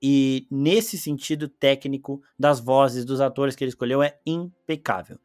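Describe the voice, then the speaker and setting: A young Brazilian man hosting a podcast, chatting casually and excitedly about a film, full of slang and exclamations. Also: medium pitch, measured pace, no echo, clean studio sound. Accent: Brazilian Portuguese. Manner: animated, slangy, exclaims often. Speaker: podcast host. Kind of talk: casual film review chat.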